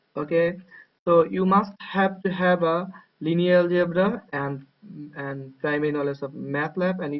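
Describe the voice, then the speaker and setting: A man with a Bangladeshi accent, at a moderate pace and with ordinary pitch variation. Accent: non-native, Bangladeshi. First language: Bengali. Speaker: university mathematics lecturer. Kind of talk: lecture. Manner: halting, many fillers and repetitions.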